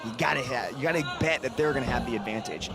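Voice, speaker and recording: Talking fast in a creaky, medium-pitched voice, a man provides analyst commentary on a mixed martial arts fight, explaining the technical side live from ringside. A loud arena crowd roars behind his voice.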